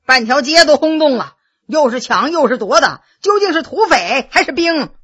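A woman's voice: high voice, lively intonation, moderate pace, a bit bright. A woman doing a mocking old merchant. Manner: switches between coarse and bookish. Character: shrewd old male tea merchant, mocking.

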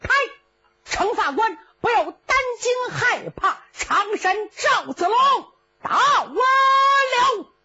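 A woman's voice: sits high, very animated, normal speed, lo-fi sound, slight background noise. A woman voicing a young heroic male general with ringing battle cries. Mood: shouting.

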